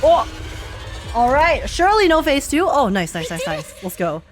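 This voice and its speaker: A woman's voice: high voice, sing-song, normal speed, faint music behind. A woman streaming a game with live, slangy, emotionally invested reaction commentary.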